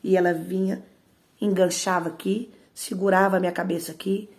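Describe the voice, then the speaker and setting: A woman's voice: lowish voice, little pitch movement, normal speed, darkish tone, a little hiss or hum. Emotional woman testifying. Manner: emotional, repeatedly addresses the audience directly. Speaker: singer giving a testimony.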